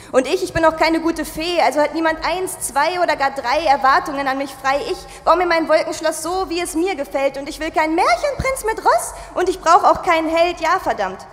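A woman's voice: high-pitched, in a large hall. A woman in her twenties performing a poetry slam on a festival stage, with playful rhymes, wordplay and self-mocking asides. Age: 20s. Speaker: poetry slammer.

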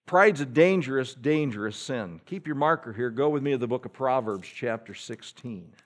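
A man preaching a sermon as pastor, asking his congregation rhetorical questions and reading old-style scripture aloud, his loudness swinging from near-whispers to near-shouts. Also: mid-range voice, expressive, normal speed. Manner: reads scripture aloud in King James wording. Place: church sanctuary.

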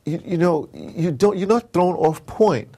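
A middle-aged man being interviewed, telling stories in a casual, animated way, repeating words and wandering off point. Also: high-pitched, a little slow. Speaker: interviewed audio drama producer. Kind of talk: casual, digressive interview talk. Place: at his home base in New York.

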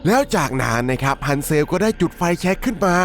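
A man's voice: fairly high pitch, sing-song, fast talker. A man narrating a dramatic horror story recap, conversationally and politely addressing his listeners as he goes. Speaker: storyteller, channel host.

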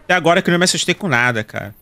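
Carioca guy in his 30s, gravelly voice, slangy and jokey while gaming. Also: a little high, lively intonation, rapid-fire, sharp tone, no room sound. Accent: Carioca, Rio de Janeiro. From Brazil. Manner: joking, slangy, talks to viewers. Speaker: gaming video host. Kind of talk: casual gameplay commentary.

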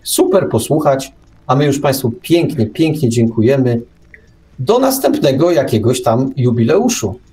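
A man's voice: mid-range voice, lively intonation, measured pace, mellow. Male radio host, casual and chatty. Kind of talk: casual radio sign-off chat.

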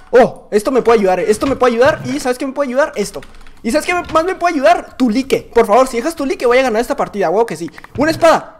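A man with a Mexican accent giving excitable, joking gameplay commentary, now and then singing or yelling. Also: extremely high pitch. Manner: excitable, joking, breaks into silly singing and shouting. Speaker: gaming YouTuber.

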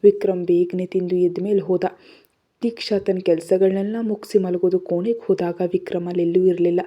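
A woman narrating a scripted romance story in a steady, even storytelling manner. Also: fairly low pitch, brisk. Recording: dull lo-fi audio.

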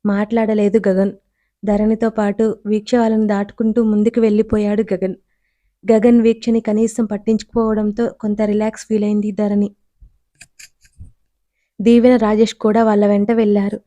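A woman storyteller reading a romance audiobook in a steady, scripted narration on a close mic. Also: mid-range voice, moderate pace, no echo.

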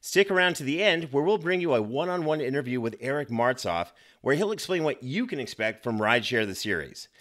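A man's voice: medium pitch, big pitch swings, a little fast, few pauses, fairly bright tone. A man reading scripted promotional narration as host and announcer, polished and upbeat.

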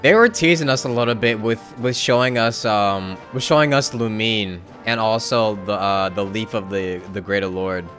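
A man's voice: fairly low pitch, normal speed, few pauses, a bit bright, faint music behind. A man giving casual livestream commentary on a game, with wry, offhand remarks. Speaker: game streamer. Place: indoor stream setup, game music behind.

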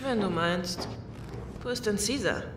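A woman's voice: mid-range voice, unhurried, recorded from a distance, natural voice. An actress playing a haughty, demanding, vindictive young woman, snippy and contemptuous, in an audio drama. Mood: scornful. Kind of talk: German audio drama acting. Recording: echoey, off-mic, clear background noise.

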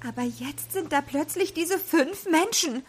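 A woman's voice: sits high, lively intonation, unhurried. A woman playing a feisty, grumpy apple-tree witch in a theatrical, indignant way for a children's audio drama. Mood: alarmed.

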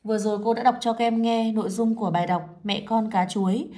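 A woman primary school teacher guiding young children through a reading test, reading a poem and a story aloud in a slow, measured way. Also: fairly high pitch, steady tone, mellow.

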